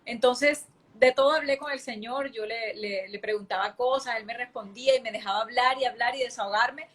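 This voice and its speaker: A woman in her late thirties tells her personal faith story in an interview. Her voice sits a little high, and she narrates in an earnest, vivid way. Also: a little fast, a bit bright. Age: late 30s. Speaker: guest giving testimony.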